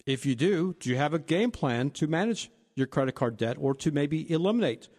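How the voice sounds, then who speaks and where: Retirement planning points come one by one from this financial advisor co-host, a man with a slightly high voice who talks a little fast. He keeps a steady, explanatory tone, and the recording sounds like a big room.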